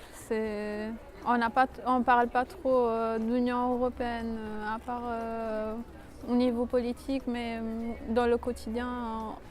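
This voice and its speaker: A woman speaks very slowly at a fairly high pitch, her intonation flat and monotone. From Italy. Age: 20s. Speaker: chemistry student. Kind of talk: interview. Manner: hesitant, many filler sounds.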